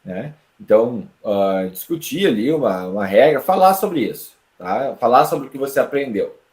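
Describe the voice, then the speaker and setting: A Brazilian man, an English teacher, gives an online lesson in a middling-pitched voice with a Brazilian Portuguese accent. He's lively and explanatory, peppering his talk with tag questions to check on the listener, and the room has a clear echo.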